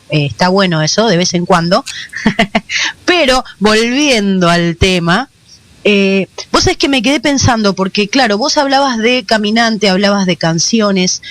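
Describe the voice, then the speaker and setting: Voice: medium pitch, fairly bright tone, no echo. A radio host with a Rioplatense Spanish accent, speaking casually and chattily with fillers while questioning a guest. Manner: chatty, loose, uses voseo, with fillers.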